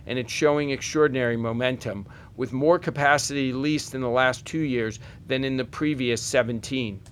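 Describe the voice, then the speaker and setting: A man delivering a scripted corporate presentation as an executive on an earnings call, reading prepared remarks in a formal, measured way. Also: medium pitch, fairly bright tone, slight background noise.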